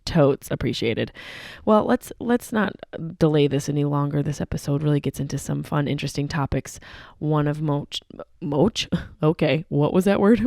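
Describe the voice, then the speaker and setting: A woman hosting a comedy podcast, her voice hoarse and partly gone, talking in a brash, joking way with plenty of swearing. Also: deep voice, mellow, no echo, clean studio sound. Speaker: podcast host. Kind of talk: casual comedic podcast monologue. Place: guest room of a house.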